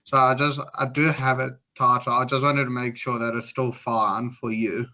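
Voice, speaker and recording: This is a man with a South African accent and a bright, sharp-edged voice. His delivery stays quite monotone as he politely presents his work as a student to a lecturer. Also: medium pitch, moderate pace, dull audio.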